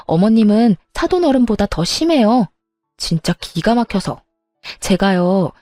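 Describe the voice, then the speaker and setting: A woman's voice: fairly high pitch, no echo. Defiant woman narrating a family feud. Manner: sharp, defiant retorts. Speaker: storyteller narrating as daughter-in-law. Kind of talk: dramatized first-person story narration.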